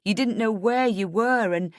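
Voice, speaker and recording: A woman voicing a frightened, tearful husband in an audiobook, gentle and pleading, with a hesitant delivery. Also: a little high, normal speed, dry recording, studio quality, voice pushed up, natural voice. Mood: anguished. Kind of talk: dramatic audiobook character dialogue.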